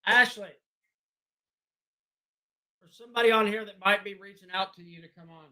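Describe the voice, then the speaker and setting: A man hosting a casual livestream and talking to his viewers, hoarse and losing his voice, clearing his throat and repeating himself as he rambles. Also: sits high, steady tone, moderate pace, pushed and bright. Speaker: livestream host.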